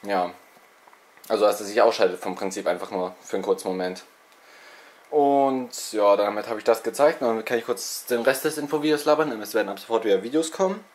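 A man's voice: lowish voice, fairly quick, darkish tone. Young man rambling casually with a slight cold. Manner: loose, chatty, self-mocking, filler-heavy. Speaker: let's play channel host. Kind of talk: casual rambling info vlog. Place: bedroom with TV and consoles, indoors. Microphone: handheld video camera's built-in mic.

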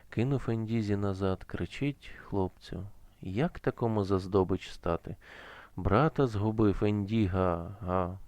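A man narrating a folk fairy tale as a storyteller, in a measured, rhythmic way. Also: low voice, darkish tone, no room sound.

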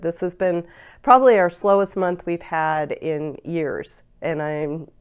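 A woman's voice: fairly low pitch, darkish tone, clean tone. A woman in her forties, congested from a cold, chatting casually to camera on a lapel mic as she vents about running her online store. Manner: chatty, venting with frequent laughs. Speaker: online parts store owner. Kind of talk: casual vlog rant. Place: home room lined with storage drawers.

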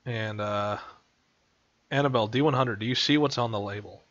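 A man's voice: on the low side, moderate pace, fairly bright tone, no echo. A man narrating as game master over voice chat, laughing often and slipping into character lines. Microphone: headset over voice chat. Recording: dull lo-fi voice chat.

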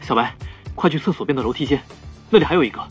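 A man voicing an anxious young male investigator in an audiobook, speaking with hurried urgency. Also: medium pitch, lively intonation, highs cut off, faint music behind, lightly acted. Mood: urgent, alarmed. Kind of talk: audiobook character dialogue.

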